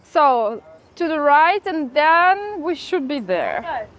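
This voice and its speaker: A young woman chatting casually outdoors at a market, giving relaxed, brief replies. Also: high voice, slow. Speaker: travel companion. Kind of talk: casual chat while walking.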